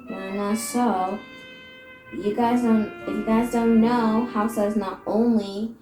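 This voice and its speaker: Young Canadian woman, slow and casual. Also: a little high, fairly even intonation, echoey room, over music. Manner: casual, filler-heavy with lots of "like". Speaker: vlogger. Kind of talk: casual chat.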